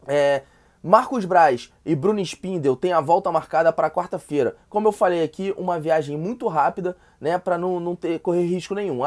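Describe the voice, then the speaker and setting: A man's voice: a little high, darkish tone. A man from Brazil with a Brazilian Portuguese accent who has a cold and sounds nasal, hosting a fan channel with chatty football news full of fillers and repeats. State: stuffy with a cold. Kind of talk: casual football news vlog.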